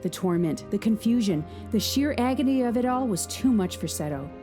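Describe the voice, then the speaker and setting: Over faint background music, a woman narrates a dramatic story, delivering her scripted lines in a measured way that leans into the tension. Her tone is mellow and darker, yet her voice is a little high and expressive.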